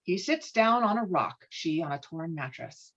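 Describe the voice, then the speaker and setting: A woman's voice: lowish voice, lively intonation, moderate pace, a bit bright, dull audio. A woman reading screenplay stage directions as scripted narration in a virtual table read.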